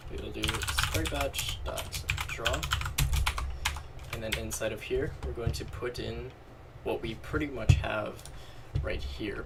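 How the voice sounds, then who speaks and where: With a fairly low, creaky voice that's going a little hoarse, a man hosts a screen-recorded coding tutorial, thinking aloud casually and fixing his own mistakes as he types. The mic is distant, and loud typing and mouse clicks make the recording very noisy.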